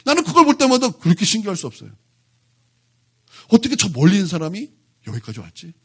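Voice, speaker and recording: A man preaching a sermon in church, his voice husky and set fairly high for a man. He swings his pitch widely as he fires question after question at the congregation. The delivery is lively and conversational rather than solemn. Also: quick pace. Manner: animated, keeps asking the congregation questions. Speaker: pastor.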